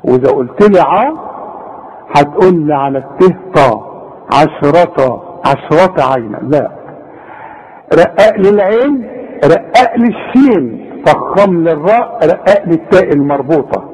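Husky high-voiced Egyptian recitation teacher. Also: male voice, lively intonation, a little mellow. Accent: Egyptian Arabic. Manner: patient, corrective, repeats and demonstrates each sound slowly. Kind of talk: one-on-one recitation correction. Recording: long reverb, echoey room.

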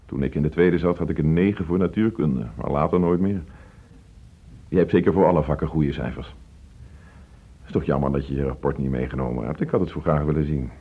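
A man acting a frustrated divorced father in a Dutch radio play, reproachful and emotional, halting when upset. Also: a bass voice, slightly rough, heavily acted. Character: frustrated divorced father pleading with his teenage son. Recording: dull, muffled old radio play recording.

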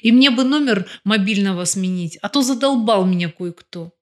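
A woman reading the part of a bold, headstrong female crime boss in an audiobook, cutting and sharp. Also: mid-range voice, lively intonation, normal speed, close to an everyday voice. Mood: defiant.

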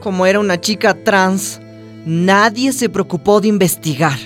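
Soft music plays beneath a woman's medium-pitched voice, which keeps a moderate pace and stays close to how she'd normally speak. As narrator and lead of a radio drama, she plays a tender, wounded young trans woman hairdresser telling her life story, sounding wistful and confiding.

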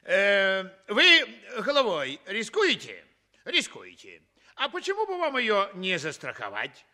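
A man's voice: sits high, huge pitch swings, a little slow, bright, forceful tone, full character voice. A man playing a pushy, cheeky commedia schemer with insistent, repetitive patter, in broad comic stage style on a 1960s theatre radio recording. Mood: sly persuasion. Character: Brighella, fast-scheming male commedia trickster, pushy and cheeky.

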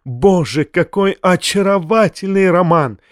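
Male reader as a giddy spinster: pitched well up, breathless exclamations, audiobook. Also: animated, measured pace, no echo, clean studio sound. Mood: gushing, ecstatic. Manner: ecstatic, shrill, exclamatory. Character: excitable gushing lady, middle-aged spinster.

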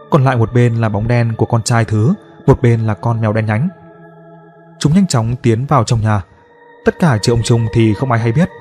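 A man narrating a scripted horror story in a steady, dramatic storytelling manner. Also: mid-range voice.

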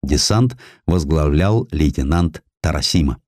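A man's voice: very deep voice, expressive, a little slow, a little mellow, no room sound, clean studio sound. A man narrating historical prose as a dramatised audiobook, telling the story as a scripted reading.

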